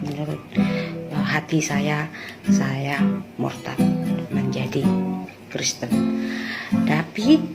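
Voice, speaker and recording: A woman's voice: deep voice, vocal fry. A woman from West Sumatra, speaking casually and insistently, repeating her points with rhetorical questions. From West Sumatra, Indonesia. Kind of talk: casual spoken rebuttal to viewers.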